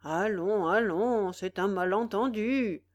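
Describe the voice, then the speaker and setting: Grumbling old farmer father, slow and plain-spoken, read by a woman. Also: mid-range voice, close to an everyday voice. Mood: soothing. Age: older. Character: elderly farmer father, grumbling and easily swayed.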